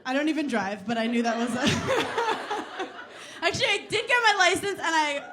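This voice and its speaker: A woman from New York doing stand-up crowd work, teasing audience members in brash, rapid banter on a club stage. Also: high voice, lively intonation, background noise. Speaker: stand-up comedian. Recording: live club with crowd laughter.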